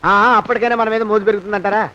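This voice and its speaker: A grumbling, muttering clerk. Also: male voice, sits high, fairly even intonation, rapid-fire, sharp tone, slight background noise. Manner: muttering insults under his breath. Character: grumbling male clerk forced into chores. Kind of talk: film comedy dialogue. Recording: dull film soundtrack.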